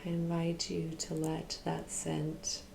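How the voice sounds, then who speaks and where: A woman guiding an ASMR meditation as a Reiki practitioner, speaking in a soft, hushed, soothing way with long pauses and occasional whispering. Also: deep voice, completely flat delivery, gravelly, slight background noise.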